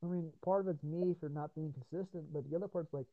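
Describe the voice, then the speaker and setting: Speaking fast in a fairly high, steady voice, this podcast host rambles through casual chat, cursing and laughing a lot, clearly worn out after hours on the mic. The sound is tinny like a phone line, with no room sound.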